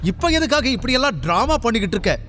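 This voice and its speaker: A man's voice: extremely high pitch, big pitch swings, rapid-fire, bright, forceful tone, slight background noise, voice pushed up, full character voice. A man voicing an irritated young husband who answers firmly and sarcastically. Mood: exasperated, sarcastic. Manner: firm, exasperated, sarcastic.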